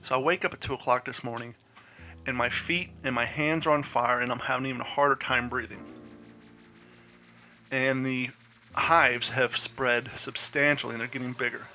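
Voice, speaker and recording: A man's voice: mid-range voice, fairly even intonation, moderate pace, pushed and bright, soft background music. A man hosting his own podcast, telling a rambling personal story in a chatty, self-deprecating way while stuffed up with a head cold. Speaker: podcast host. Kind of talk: casual solo podcast monologue. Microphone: podcast mic.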